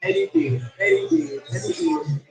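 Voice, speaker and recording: A man's voice: very high voice, normal speed, vocal fry. A man coaching a live public speaking workshop, repeating phrases and hyping up his audience. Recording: echoey room with faint music.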